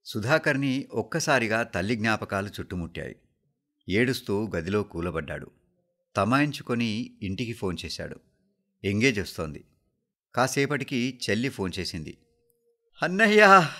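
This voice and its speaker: A man with a Telangana accent reading a story aloud for the radio in a steady, measured way. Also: fairly low pitch. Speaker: story reader.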